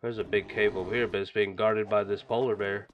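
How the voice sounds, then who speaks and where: A man hosting a gaming channel, chatting casually and reacting excitedly as he plays, sniffling from a stuffy nose. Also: on the low side, brisk, dull audio, slight background noise. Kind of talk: casual game commentary.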